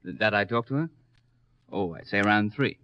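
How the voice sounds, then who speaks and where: A courteous, measured lawyer from an old radio drama serial. The voice is low and the manner matter-of-fact and careful. The sound is close, dry and lo-fi. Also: male voice, expressive, smooth, no room sound. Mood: earnest, measured. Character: courteous, measured professional male lawyer being questioned. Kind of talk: 1950s American radio detective serial acting.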